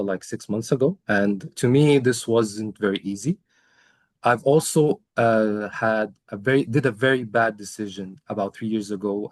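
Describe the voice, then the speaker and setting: A young man from Egypt, a coaching client telling his story in an interview, earnest and measured, with many pauses and fillers. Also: lowish voice, a little mellow, no echo. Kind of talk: testimonial interview.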